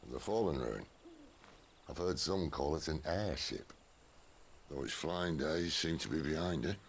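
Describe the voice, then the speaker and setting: An actor playing a gruff, wry older outlaw leader in a fantasy game, with a British accent and unhurried, understated delivery. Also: male voice, extremely low pitch, animated, slight background noise, exaggerated voice. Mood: wry, measured. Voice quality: gravelly. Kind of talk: fantasy video game voice acting. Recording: music behind the voice.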